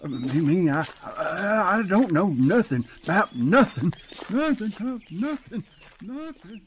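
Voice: mid-range voice, very animated, slow. An actor playing a jittery, folksy old country man who stammers evasively in a radio play. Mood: nervous, evasive. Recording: distant voice with clear background noise.

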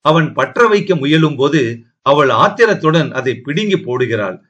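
A man reads a novel aloud in a measured, steady storytelling voice. His voice sits somewhat high for a man. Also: muffled recording. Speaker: audiobook narrator. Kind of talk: novel narration.

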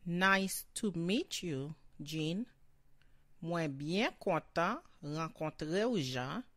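A woman voicing a young woman named Marie greeting a new friend, speaking slowly and clearly. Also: fairly low pitch, lively intonation, fairly bright tone, dry recording, exaggerated voice. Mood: friendly.

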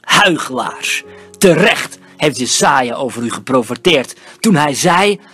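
A reader voicing a calm, authoritative male teacher in a firm, admonishing tone. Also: medium pitch, measured pace, husky, dry recording, voice pushed down, full character voice. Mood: stern. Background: soft background music.

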